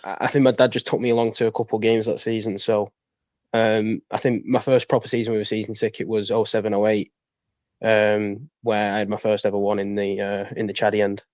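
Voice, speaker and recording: A young man speaks in a lowish voice as a podcast guest. The sound is dry and a little dull, and his delivery is casual and conversational. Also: little pitch movement, brisk, a little mellow, no room sound. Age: 20s. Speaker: fan guest. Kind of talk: casual interview chat.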